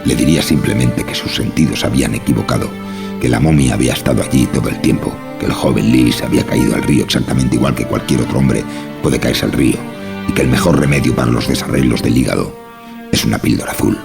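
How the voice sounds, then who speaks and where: Very deep, gravelly male horror narrator. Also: quick pace. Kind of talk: scripted horror story narration. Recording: music behind the voice.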